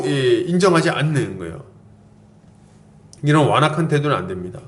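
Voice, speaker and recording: Animated, admonishing pastor in an echoey church. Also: male voice, a little high. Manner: earnest, admonishing, acts out quoted lines. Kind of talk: sermon. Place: church sanctuary.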